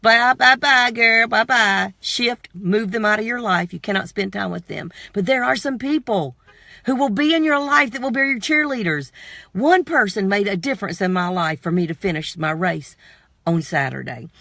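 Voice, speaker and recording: Emphatic motivational woman, bright and creaky. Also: medium pitch, normal speed, no echo, clean studio sound. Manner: emphatic, preachy, repeats phrases for effect; direct address with rhetorical questions. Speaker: motivational speaker. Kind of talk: motivational talk.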